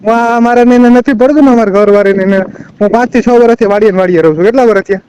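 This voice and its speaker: High-pitched, insistent rural Gujarati man, dull recording. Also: rapid-fire, a little mellow, clear, resonant tone, dry recording. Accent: Gujarati, rural Saurashtra. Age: middle-aged. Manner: defensive, insistent, repeats himself. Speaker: phone caller. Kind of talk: heated personal phone conversation. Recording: dull lo-fi phone call recording.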